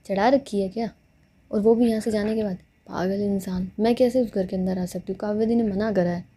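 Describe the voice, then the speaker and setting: Woman doing a grumpy, sleepy young woman, husky, dark-toned, complaining. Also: mid-range voice, steady tone, brisk, close to an everyday voice. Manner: irritated, drowsy complaining.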